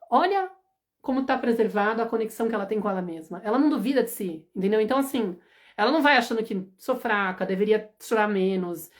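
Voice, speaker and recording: A woman, a parenting educator giving an animated, emphatic live-stream talk and often checking in with her listeners. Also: medium pitch.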